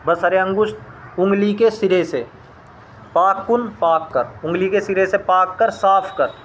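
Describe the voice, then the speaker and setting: A man with a high voice works through a recorded lesson, reading a phrase and then repeating it. He talks slowly and explains each word in turn. A faint room hum runs underneath. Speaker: language teacher.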